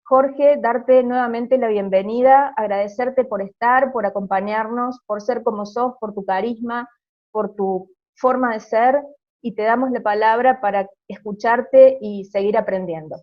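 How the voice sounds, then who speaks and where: A woman reading a formal, measured introduction of a guest speaker for her hospital's infection committee. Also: a little high, dull audio. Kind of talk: read prepared speech.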